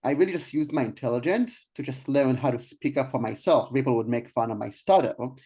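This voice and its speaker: A man's voice: medium pitch, brisk, warm tone, husky. A young man from Israel, a guest in an interview, talking casually with many ums and restarts. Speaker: guest, life coach.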